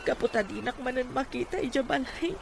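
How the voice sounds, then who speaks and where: An actress with an Ilocano accent playing a long-suffering battered wife and gentle elder sister in an audio drama. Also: female voice, high-pitched, animated, a little fast. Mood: sad, resigned. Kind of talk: Ilocano radio-style drama acting. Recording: clearly noisy ambient background.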